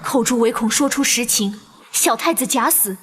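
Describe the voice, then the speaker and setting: An actress playing the vengeful ghost of a wronged palace maid, speaking in a mournful, menacing, ghostly declamation in a period drama. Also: female voice, a little high, moderate pace, a bit bright, close to an everyday voice. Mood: mournful, accusing. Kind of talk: theatrical Chinese period drama acting. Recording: echoey hall reverb, noisy ambience.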